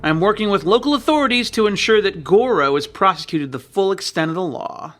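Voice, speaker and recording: A man voicing an eager, excitable cartoon police mouse who bursts into shouts. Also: sits high, brisk, over music. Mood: excited. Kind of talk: cartoon voice acting.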